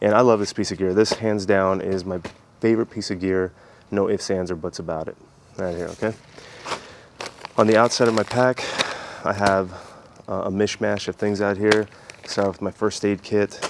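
Over noticeable background noise, a man with a fairly low voice speaks in a flat monotone at a moderate pace, with long, frequent pauses. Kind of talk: casual gear review vlog. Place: garden.

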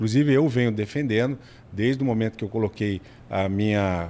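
Ordinary pitch variation from a man talking at a moderate pace. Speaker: candidate. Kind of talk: interview answer. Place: meeting room. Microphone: handheld.

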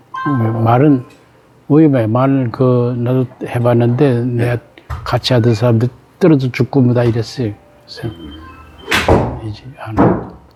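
A man's fairly even intonation, broken by long, frequent pauses, with music in the background. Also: medium pitch for a man, fairly slow pace. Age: 80s+. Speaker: golfer, co-founder of golf association. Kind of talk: interview answer.

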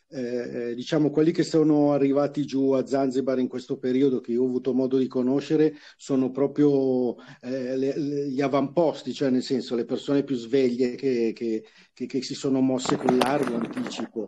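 With a dark, mellow tone, a man speaks at a medium pitch in a monotone, flat intonation against a quiet background. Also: moderate pace. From Milan, Italy. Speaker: participant planning Zanzibar move. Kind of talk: casual chat. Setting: online call. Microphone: video call.

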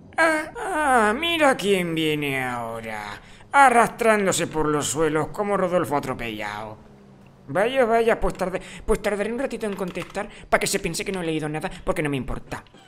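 A man does a put-on character voice pitched high. His pitch swings very widely. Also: moderate pace. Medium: role play. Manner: exaggerated, theatrical.

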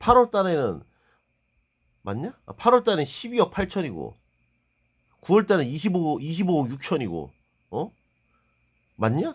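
Very slowly, a man talks at a high pitch with very wide pitch swings. The recording is very clean, the background silent. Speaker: computer seller and video creator. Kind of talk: casual monologue vlog. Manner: rambling, hesitant with fillers.

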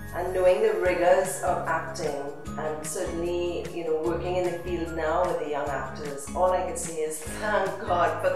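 Over clear background music and audible room echo, a woman talks at a moderate pace in a fairly low pitch with monotone, flat intonation. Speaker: acting workshop coach. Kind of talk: interview answer. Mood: reflective, earnest. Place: studio.

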